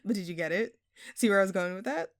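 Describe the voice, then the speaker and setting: A woman's voice: mid-range voice, lively intonation, fast, no echo, clean studio sound, natural voice. A woman playing a smug, flirtatious jewel thief in an audio roleplay, teasing and theatrical, with playful sarcasm. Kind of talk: intimate scripted audio roleplay.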